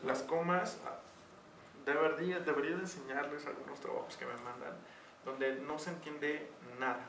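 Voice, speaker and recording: A man with a Mexican accent giving an online tutoring session as teacher, talking in a chatty way full of fillers. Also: medium pitch. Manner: chatty, uses many fillers. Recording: echoey room, distant mic, noisy.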